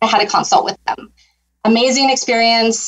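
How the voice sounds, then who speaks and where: A woman with a fairly high pitch at a fairly quick pace, set against a quiet background. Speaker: caller, social worker; caller. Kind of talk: casual chat. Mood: earnest, personal. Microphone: video call.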